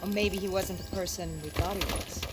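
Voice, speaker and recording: Actress as a terse, determined female soldier in a game; clipped lines over loud score. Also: fairly low pitch, steady tone, a little fast, over loud music, natural voice. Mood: steady. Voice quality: terse, questioning. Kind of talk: video game cutscene acting.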